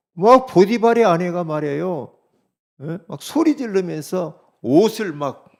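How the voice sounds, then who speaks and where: A middle-aged man preaches to his congregation in a chatty, conversational sermon. His pitch swings widely and sits a little high for a man. His tone stays mellow and soft-edged, and he keeps checking in with his listeners. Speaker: pastor.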